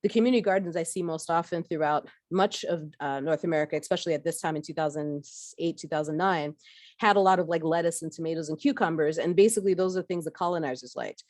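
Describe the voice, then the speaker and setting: A woman's voice: deep voice, quick pace, darkish tone, dry recording, studio quality. A middle-aged woman from Barbados giving a conversational workshop talk about her background, with frequent fillers and restarts. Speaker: workshop speaker.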